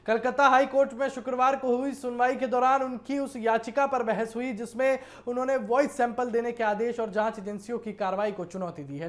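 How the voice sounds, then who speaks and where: A woman news presenter with an Indian accent delivers a political news report. Her voice sits on the high side for a woman. The delivery is that of a narrated bulletin.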